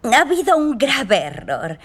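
Blunt sarcastic young woman, dub, swoopy pitch. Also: very animated, unhurried, a bit bright, heavily acted. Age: young adult. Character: brash foul-mouthed young woman. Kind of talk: Spanish TV comedy dub.

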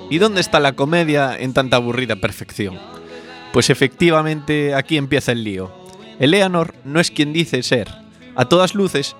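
Guy doing a wry chatty show recap, soft music under him. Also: medium pitch. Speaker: video narrator. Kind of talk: scripted recap narration.

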